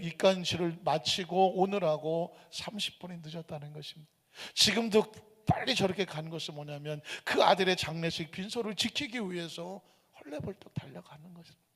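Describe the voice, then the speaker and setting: Male pastor, sermon storyteller, emphatic, rough gravelly edge, long church reverb. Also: sits high, normal speed, a bit bright. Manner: emphatic storytelling preacher, rhetorical questions to the congregation. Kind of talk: Sunday sermon. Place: church sanctuary.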